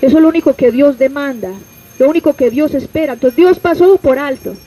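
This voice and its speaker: A woman's voice: high-pitched, fairly quick, warm tone, poor audio. A Colombian woman preaching an open-air street sermon, pressing her listeners with rhetorical questions and direct address. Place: outdoors on a city street.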